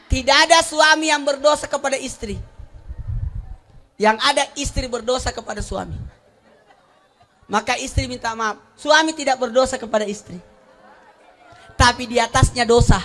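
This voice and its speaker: Bright-voiced animated male preacher. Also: high voice. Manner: animated, swings from soft to loud exclamations; humorous storytelling. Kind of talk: sermon at a religious gathering.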